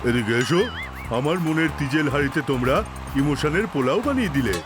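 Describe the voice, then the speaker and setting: Guy doing a flowery gushing cartoon man, sentimental, voice a bit high, music under. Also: expressive, fast, close to an everyday voice. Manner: effusive, flowery. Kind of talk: cartoon dub acting. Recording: music behind the voice.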